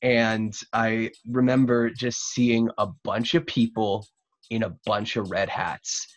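A man's voice: lowish voice, level tone, slow. A young man hosting a casual interview over a video call, effusive and free with swearing. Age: young adult. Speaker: talk show host. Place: home room, on a video call.

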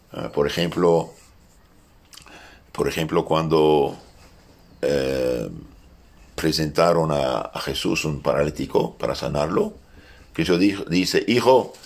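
A man with a French accent teaching a catechism lesson as a priest, halting and restarting often as he quotes scripture aloud. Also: rumbling low.

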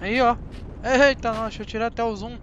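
A young man with a Brazilian Portuguese accent giving chatty, excitable commentary on a driving game straight to his viewers. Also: very high-pitched, fast, highs cut off, a little hiss or hum. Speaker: gaming channel host. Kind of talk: casual gameplay commentary.

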